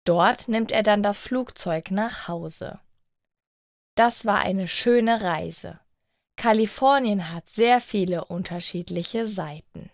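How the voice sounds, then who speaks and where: A woman reading a scripted short story for language learners in a measured way, sentence by sentence. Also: medium pitch, no room sound, studio quality. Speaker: narrator of short stories for German learners.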